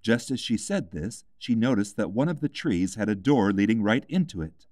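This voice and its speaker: A man's voice: lowish voice, lively intonation, moderate pace, a little mellow, dry recording, clean studio sound. A man reading a scripted children's classic as an audiobook narrator.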